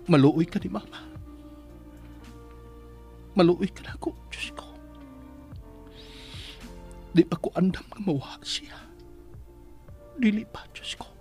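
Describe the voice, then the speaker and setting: A man's voice: high voice, slow, long pauses, warm tone, faint music behind. A Bisaya Filipino man playing an anguished priest who prays with pleading, reverent emotion in a radio drama. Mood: pleading, fearful. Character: anguished priest praying for his sick mother. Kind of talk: Bisaya radio drama acting, prayer monologue.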